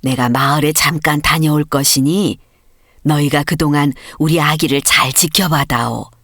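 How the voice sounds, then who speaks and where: A woman acts out a kindly old grandmother in a folk tale. The pitch sits clearly lower, as an elderly storybook character. The recording is close and dry. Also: moderate pace, a bit bright, no echo. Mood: coaxing.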